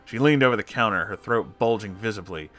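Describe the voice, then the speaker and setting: A man's voice: lowish voice, brisk, a bit bright, faint music behind. A man reading comic horror fiction aloud as a narrator, in a scripted, dramatic storytelling style.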